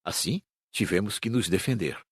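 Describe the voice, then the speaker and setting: A man reading the part of an instructive spirit guide in an audiobook, husky. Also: deep voice, moderate pace, no room sound, studio quality. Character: male spirit guide explaining gravely in audiobook.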